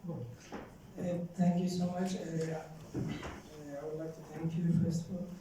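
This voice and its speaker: A young man from Somalia asking long, halting questions at a forum Q&A, often repeating and rephrasing himself. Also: fairly high pitch, level tone, recorded from a distance, noisy background. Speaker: audience member asking questions. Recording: roomy hall, speaker off mic.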